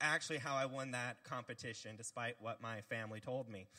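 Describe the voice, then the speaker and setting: A man speaks with an American accent at a moderate pace. His tone is bright and sharp, and his intonation stays fairly even. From US South, South Carolina (Bluffton). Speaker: youth minister. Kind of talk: sermon. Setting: church.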